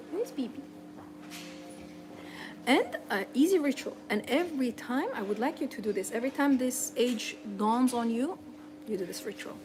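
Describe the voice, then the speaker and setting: A woman coaching her audience in a motivational seminar, earnest and repetitive, with non-native English phrasing. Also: fairly high pitch. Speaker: femininity and lifestyle coach. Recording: audible background noise.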